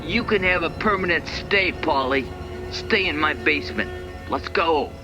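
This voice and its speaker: A man plays a volatile truck-driving coworker in a dramatized story, high in pitch and full of menace. He taunts and blurts out threats. Music plays clearly behind him. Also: a little slow, lightly acted. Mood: angry, menacing.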